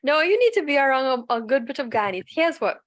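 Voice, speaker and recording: A woman co-hosting a live podcast, chatting casually and explaining things with animated laughter. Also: high-pitched, quick pace, no room sound. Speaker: podcast co-host.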